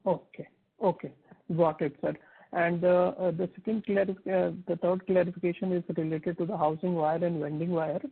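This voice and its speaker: An analyst caller with an Indian accent puts questions to an earnings call, building them hesitantly bit by bit. His high-pitched voice is creaky and husky, flat in delivery at a moderate pace, heard through a thin, narrow phone line.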